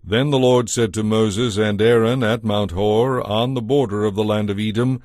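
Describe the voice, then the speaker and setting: A man narrating scripture from a script in a solemn, deliberate, clearly enunciated storytelling style. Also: on the low side, no echo, clean studio sound. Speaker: Bible narrator.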